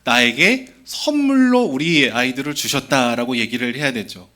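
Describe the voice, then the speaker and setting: A male pastor giving a children's sermon, lively and full of questions to the children. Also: mid-range voice, normal speed.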